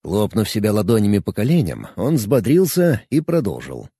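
A man narrating an audiobook in an expressive storytelling manner. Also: on the low side, normal speed, creaky, slightly rough, dry recording, studio quality. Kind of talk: scripted narration.

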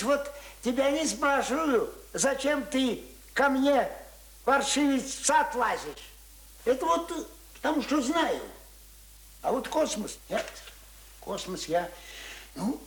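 Old rural grumbler, high voice, sarcastic, rustic, radio play, echoing room. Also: male voice, animated, slow, long pauses, heavily acted. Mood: mocking, skeptical. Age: older. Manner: querulous, sarcastic, rustic colloquial speech. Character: grumbling, mocking, stubborn old village peasant man. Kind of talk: radio play acting of rural folk dialogue. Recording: roomy, echoing radio drama recording.

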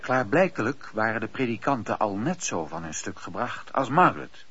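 A man narrating a radio play in a dramatic, scripted storytelling style, with a husky voice. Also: fairly low pitch, very animated, moderate pace, a bit bright. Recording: dull, lo-fi radio play recording.

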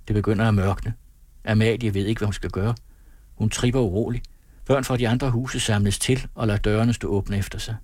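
A man reading a novel aloud as an audiobook narrator, calm and measured in his storytelling. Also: on the low side, dry recording. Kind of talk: scripted narration.

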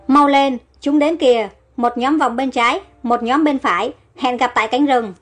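A woman voicing a loyal, decisive male guard captain who gives brisk orders. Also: high voice, faint music behind.

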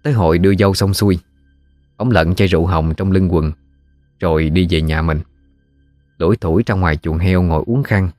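A man with a Southern Vietnamese accent narrating a ghost story in a folksy, unhurried way. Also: low voice, darkish tone, no echo, soft background music.

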